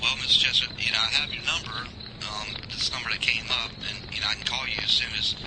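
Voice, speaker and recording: Man playing a halting, hedging radio host. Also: medium pitch, steady tone, natural voice. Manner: halting, hedging, many fillers. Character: cautious Bigfoot radio show host on phone. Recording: loud outdoor noise, crickets.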